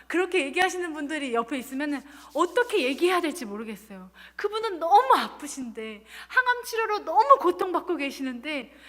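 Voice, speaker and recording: High, lively woman pastor preaching. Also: big-room sound. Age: 30s. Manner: earnest, personal storytelling with emphatic repeated phrases. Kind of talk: sermon. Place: church sanctuary.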